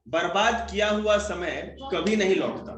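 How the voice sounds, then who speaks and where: Bright-voiced man teaching a class. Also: sits high, expressive, a little slow. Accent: Hindi. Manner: joking, quizzes pupils by name. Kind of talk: classroom grammar lesson. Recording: echoey room, faint noise.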